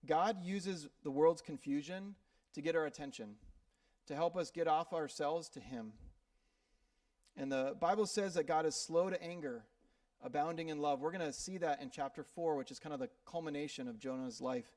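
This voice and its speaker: A man's voice: fairly high pitch, moderate pace, a little mellow, no room sound, studio quality, far from the mic. A man from Minnesota preaching a sermon in a church, talking in a loose, conversational way with fillers and repeated words. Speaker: pastor. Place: church sanctuary.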